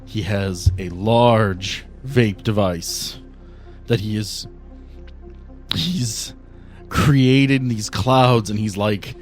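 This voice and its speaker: A man's voice: on the low side, drawn-out words, faint music behind. A man narrating casually as game master, improvising in an informal, sweary way with hesitant phrasing. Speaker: game master of a tabletop RPG podcast.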